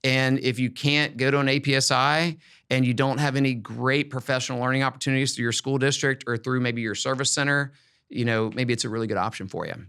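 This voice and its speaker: A middle-aged American man talks as a podcast host to fellow educators. His delivery is conversational and upbeat, and he leans on key points for emphasis. His voice sits at an average pitch for a man. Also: steady tone, fairly quick, bright, forceful tone, smooth. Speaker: podcast host, former school principal.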